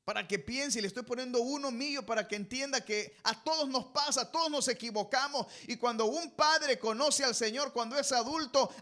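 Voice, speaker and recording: A man preaching a sermon with a high, bright voice. He talks emphatically to his congregation, calls them brothers and has them call out the missing words. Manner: emphatic, addresses listeners as brothers. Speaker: pastor.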